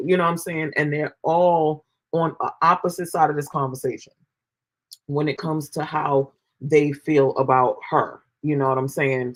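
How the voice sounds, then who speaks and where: A man's voice: a little high, poor audio. A man with a New York accent co-hosting a casual panel chat, rambling and full of fillers. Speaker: podcast co-host.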